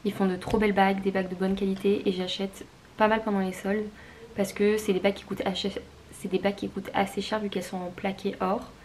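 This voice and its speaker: A young woman talks casually to her viewers. Her pitch is mid-range and stays quite even, and she sounds informal and confiding. There is slight noise behind her voice. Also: fast. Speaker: vlogger. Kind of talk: casual chat to camera.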